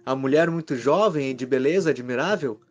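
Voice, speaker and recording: A male narrator reads a horror tale in a mid-pitched voice. It is scripted storytelling, with guitar music behind it. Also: a little fast, muffled recording.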